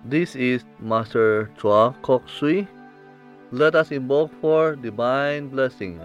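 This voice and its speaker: A man with an Asian accent, a meditation master leading an invocation in reverent, deliberate short phrases. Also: mid-range voice, dull audio, faint music behind. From Philippines.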